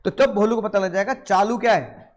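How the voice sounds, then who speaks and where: A man teaching a law class in mixed English, lively, questioning his students and acting out small dialogues. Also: high-pitched, fairly quick. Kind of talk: classroom lecture.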